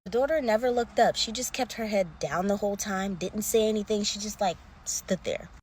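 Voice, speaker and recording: A woman's voice: medium pitch, brisk, darkish tone, a little hiss or hum. A woman telling scary stories in a casual, chatty way and talking straight to her viewers like friends. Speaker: social media storyteller. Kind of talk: casual scary story time.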